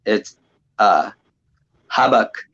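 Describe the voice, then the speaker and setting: A man speaking as a guest on a livestream, halting and rambling, with many fillers. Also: on the low side, lively intonation, a bit bright. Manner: halting, rambling, many "I mean" and "you know". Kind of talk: casual chat. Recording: muffled lo-fi stream audio.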